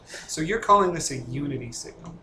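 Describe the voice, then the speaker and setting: A man's voice: fairly high pitch, lively intonation, fairly quick, crowd noise. A man asking questions in character as a player in a tabletop role-playing game. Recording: echoey room, background voices.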